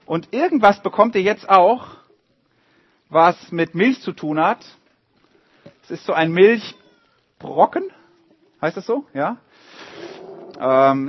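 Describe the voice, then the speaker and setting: A man reading a story aloud to a group of children and drawing pictures along with it, in a lively, animated way. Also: fairly high pitch, slow pace, pauses often, husky, dry recording, muffled recording.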